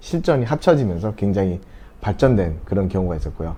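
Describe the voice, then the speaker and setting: A man with a fairly low voice and a dark, mellow tone speaks at a fairly quick pace with lively intonation. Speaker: vlogger living abroad. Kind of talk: casual vlog monologue. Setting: indoors before staff arrive, morning. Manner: casual, hesitant fillers.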